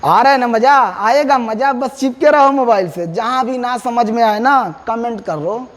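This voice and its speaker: A man teacher explaining an English poem line by line to students, lively and dramatic, speaking directly to them. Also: very high voice, normal speed, long reverb tail.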